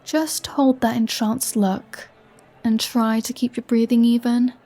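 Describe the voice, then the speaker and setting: A woman's voice: on the high side, level tone, measured pace, warm tone. A woman playing a flirty, sardonic vampire in an ASMR roleplay, teasing and sarcastic with a playful threat. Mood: wry, playful. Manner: teasing, sarcastic, conversational with sighs. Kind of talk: ASMR roleplay audio drama.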